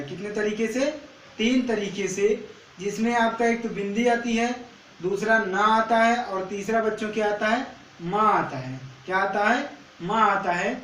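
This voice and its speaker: A man's voice: sits high, fairly bright tone. A male teacher giving a Braille lesson. He asks the pupils each question and then repeats the question and its answer. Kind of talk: classroom lesson. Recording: echoey room, mic at a distance, faint hiss.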